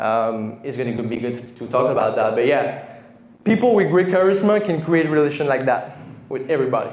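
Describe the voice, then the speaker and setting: The speaker has a Quebec accent and an animated tone, with lively intonation at a fairly quick pace. Audible room echo surrounds the voice. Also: man, fairly high pitch for a man. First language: French. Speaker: sales coach. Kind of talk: motivational talk. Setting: stage with audience.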